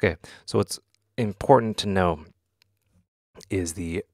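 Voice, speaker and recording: A man talks casually through a software demonstration in a low voice with plenty of vocal fry. He hesitates and thinks aloud as he goes. The sound is dry and close, with very little room. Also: unhurried, dry recording, faint music behind. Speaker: tutorial host. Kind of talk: casual software tutorial talk.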